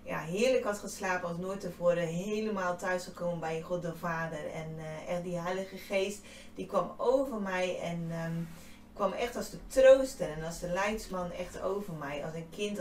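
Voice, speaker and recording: A woman's voice: fairly low pitch, normal speed, darkish tone. A woman co-hosting a faith podcast, telling a personal story in a heartfelt, hesitant way full of fillers. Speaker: podcast co-host. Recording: roomy echo, distant from mic, faint noise.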